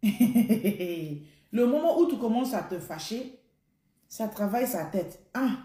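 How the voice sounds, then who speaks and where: A woman's voice: mid-range voice, very animated, slow, mellow. A woman giving a humorous advice monologue to the camera, emphatic and repeating her points as she speaks directly to the listener. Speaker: vlogger. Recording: roomy echo.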